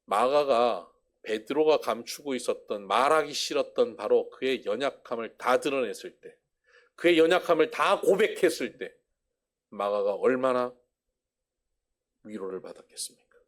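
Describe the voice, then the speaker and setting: A man's voice: medium pitch, expressive, normal speed. A male pastor giving a sermon as a vivid story, acting out the dialogue himself.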